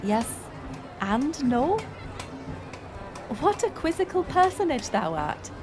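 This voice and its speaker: Curious, wry village woman, acted by a woman: high voice, slow measured archaic speech, teasing, music behind. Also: big pitch swings, heavily acted. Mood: flirtatious, curious. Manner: teasing, measured, formal old-fashioned phrasing. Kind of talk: intimate archaic-speech audio roleplay.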